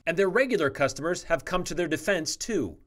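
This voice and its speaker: A man's voice: a little high, expressive, fairly quick, a bit bright, big-room sound, slight background noise. A middle-aged man presenting a scripted TV news report in a studio, with an emphatic anchor delivery. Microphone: lapel mic.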